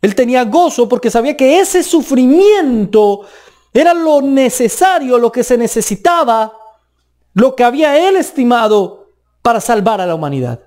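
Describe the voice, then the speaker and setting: A man with a Colombian accent preaching a sermon, emphatic, with pitch that rises and drops sharply for stress. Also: very animated, normal speed, darkish tone.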